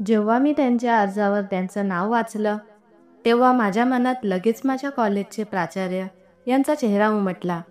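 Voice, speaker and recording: A woman reading an emotional first-person story aloud in a steady, earnest storytelling tone. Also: medium pitch, moderate pace. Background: faint background music.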